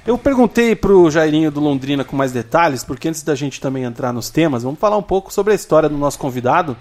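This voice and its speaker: A man hosting a casual sports podcast, steering the talk and prompting the guest with lively questions. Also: fairly high pitch, fast talker. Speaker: podcast host.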